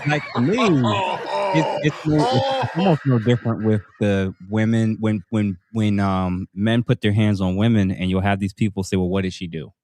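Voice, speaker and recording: Low-voiced man hosting a podcast panel. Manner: relaxed, drawn-out thinking aloud with fillers. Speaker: podcast host. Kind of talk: casual panel discussion.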